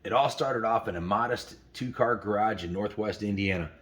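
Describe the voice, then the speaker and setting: A man's voice: fairly low pitch, moderate pace, fairly bright tone. A man with a folksy, enthusiastic manner hosts a story time, chatting casually and reading aloud to his viewers. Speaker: host of a story time show.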